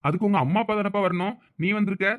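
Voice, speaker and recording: A man's voice: high voice, fairly even intonation, very fast, narrow, tinny audio, lightly acted. A man voicing a strict, sceptical police officer in a cartoon, official and questioning, with a Tamil accent. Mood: officious. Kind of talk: cartoon drama dialogue.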